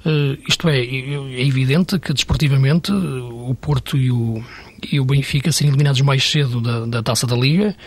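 Casting: man, husky voice, dry close sound, hesitant pundit on a panel. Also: mid-range voice, fairly even intonation, moderate pace, no room sound. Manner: hesitant, many restarts, argumentative. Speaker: football pundit. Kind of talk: studio panel discussion.

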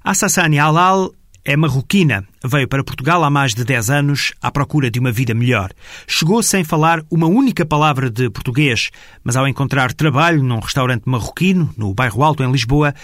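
A man reading a scripted news report voice-over with a measured, formal delivery. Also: mid-range voice, expressive, a bit bright, no room sound, clean studio sound. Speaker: reporter narrator. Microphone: studio voice-over.

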